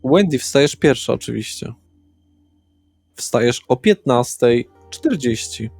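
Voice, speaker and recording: A man's voice: mid-range voice, lively intonation, takes it slowly, vocal fry, a little mellow, dry recording. A man narrating a tabletop role-playing session as the game master. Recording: music playing behind the voice. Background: background music.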